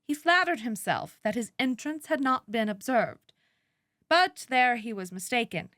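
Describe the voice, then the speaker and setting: A woman reading scripted narration as an audiobook narrator, in a measured, precisely enunciated way. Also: fairly high pitch, lively intonation, fairly bright tone, dry recording, clean studio sound.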